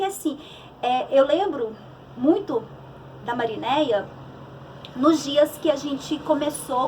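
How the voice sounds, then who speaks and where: A woman's voice: high-pitched, far from the mic, a little hiss or hum, low-quality recording. A middle-aged woman psychologist with a Brazilian Portuguese accent, giving a conversational church talk on emotions with many restarts and fillers.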